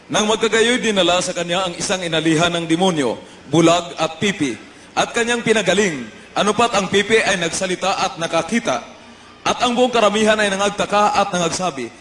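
A Filipino man with a Filipino accent, reading a Bible passage aloud in a steady, formal way during a church service. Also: sits high. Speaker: scripture reader. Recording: roomy church echo, faint noise.

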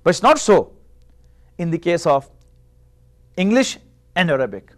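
High-voiced man lecturing on Arabic grammar. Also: big pitch swings. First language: Urdu. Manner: measured, explanatory, rhetorical questions. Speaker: Arabic teacher. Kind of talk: classroom lecture. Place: small classroom indoors. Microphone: lapel mic.

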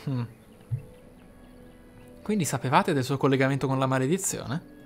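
A man commentating on his role-playing game playthrough, musing aloud theatrically with pauses for emphasis. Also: mid-range voice, faint music behind. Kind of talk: let's play commentary.

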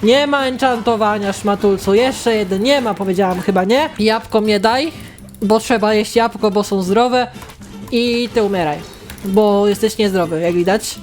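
A young woman hosting a gaming channel, giving excitable casual commentary as she plays, swearing at the game and talking to her viewers. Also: mid-range voice, normal speed, faint music behind.

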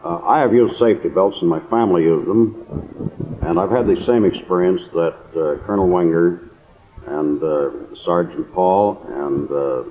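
A man's voice: low voice, unhurried. An American man explaining things plainly and formally as an expert guest in a 1950s radio interview. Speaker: guest surgeon. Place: convention hall radio interview. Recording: muffled phone-like 1950s radio recording.

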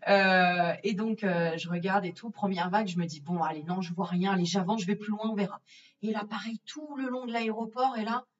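A woman's voice: mid-range voice, fairly even intonation, a little fast, far from the mic. A French woman recounts her trip in a loose, chatty storytelling voice, full of fillers and little acted-out asides. She sits back from the microphone, and the sound is dull and lo-fi. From France. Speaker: vlogger. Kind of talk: casual storytelling.

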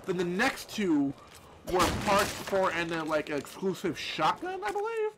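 A man's voice: high-pitched, sing-song, measured pace, noisy background. A man with a lisp giving rambling, swearing commentary over a horror game, often restarting his sentences. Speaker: gameplay commentator. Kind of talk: let's play commentary.

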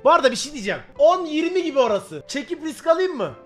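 Male game streamer, high and animated voice, excitable, swears a lot, loud outbursts. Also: fast talker, faint music behind. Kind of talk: casual gameplay commentary with chat.

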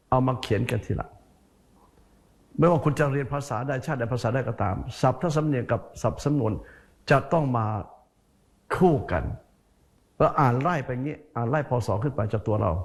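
A man's voice: medium pitch, normal speed, long pauses. A male Buddhist monk giving a folksy sermon, speaking straight to his listeners and repeating words for emphasis. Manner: speaks to listeners directly as "sir".

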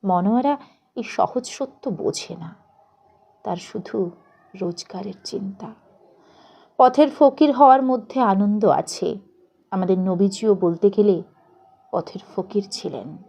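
A woman reads a literary story aloud in an expressive, deliberate storytelling manner. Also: mid-range voice, creaky. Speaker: audiobook narrator. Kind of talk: scripted literary story narration.

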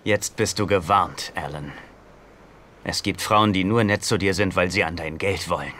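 A man's voice: low-pitched, moderate pace, natural voice. A man playing a naive, childlike, sweet rich man in dubbed sitcom dialogue. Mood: dejected. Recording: faint background noise.

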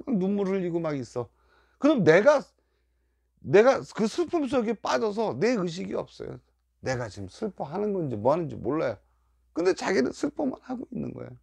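A man's voice: a little high, creaky, husky, no echo. An older man giving a Buddhist dharma lecture, repeating key phrases and acting out worried inner voices. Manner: emphatic, rising and falling loudness.

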